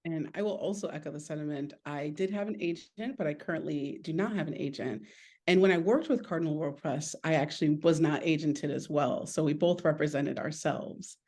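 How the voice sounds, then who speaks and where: A woman's voice: deep voice, brisk, dark tone. A woman guest chatting casually in a video call interview about creative work, speaking in an earnest, appreciative way. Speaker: illustrator and author guest.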